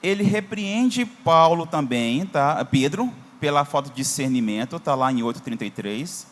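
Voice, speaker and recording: A Brazilian pastor teaches a Bible class in an easy, conversational way, often pausing to check that the class is following along. His voice sits a little high for a man. The sound carries a long reverb from the church hall. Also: expressive. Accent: Brazilian Portuguese. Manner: conversational, asks for verses on screen, frequent "tá?". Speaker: Sunday school teacher, pastor.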